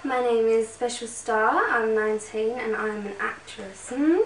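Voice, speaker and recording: A woman plays a vain young starlet who rambles on about fame. Her voice is fairly high, and she sounds far from the mic in an echoey room. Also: measured pace, heavy background noise. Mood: airheaded. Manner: ditzy, rambling, self-absorbed. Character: vain, dim young actress, 19.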